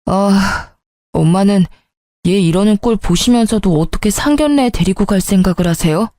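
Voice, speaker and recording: A woman voicing an earnest young adult son who turns sharp and irritable, speaking in clipped, pleading sentences. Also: mid-range voice, animated, normal speed, no echo, studio quality, natural voice. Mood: irritated.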